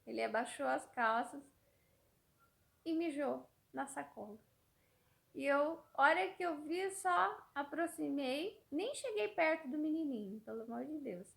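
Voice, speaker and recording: Brief: Brazilian mother, 30s, casual vlog storyteller, high voice with a gravelly edge, rambling delivery. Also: lively intonation, measured pace. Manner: rambling, repeats words, trails off. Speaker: mother vlogger.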